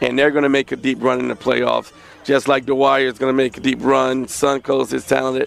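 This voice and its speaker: Over noticeable background noise, a man at medium pitch speaks in a passionate, enthusiastic tone. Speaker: high school basketball coach. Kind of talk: sports interview.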